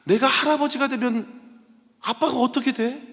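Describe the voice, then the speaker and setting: A man's voice: very high-pitched, normal speed, a bit bright, voice pushed up. A man voicing his small son, who is sobbing in fear and pleading with tearful questions. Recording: reverberant church hall.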